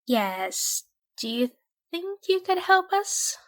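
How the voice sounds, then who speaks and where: A woman playing a wry, self-deprecating, resentful ordinary human in an audio drama, speaking in a measured way. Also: very high voice, big pitch swings, full character voice. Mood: exasperated.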